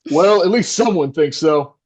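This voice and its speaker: Actor as a high, swooping melodramatic radio host. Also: male voice, animated, normal speed, natural voice. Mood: gushing, theatrical. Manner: theatrical, gushing announcer delivery. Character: flustered, melodramatic 1960s New York radio host, scorned husband. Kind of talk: audio drama acting as live radio host.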